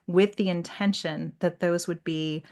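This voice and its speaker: A woman hosting a literary discussion podcast, speaking in an articulate, reflective way with measured phrasing. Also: lowish voice, steady tone, darkish tone. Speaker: podcast host.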